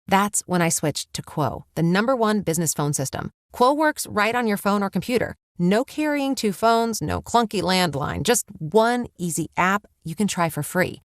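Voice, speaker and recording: A woman's voice: mid-range voice, no room sound, clean studio sound. A woman reading a radio ad in an upbeat, conversational tone. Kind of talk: read radio ad.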